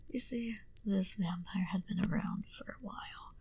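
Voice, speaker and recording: A woman playing a wistful female vampire in an ASMR roleplay, confiding her backstory in an intimate, breathy whisper. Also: medium pitch, warm tone, rough recording. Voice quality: breathy, mostly unvoiced whisper. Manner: slow, intimate, confiding delivery.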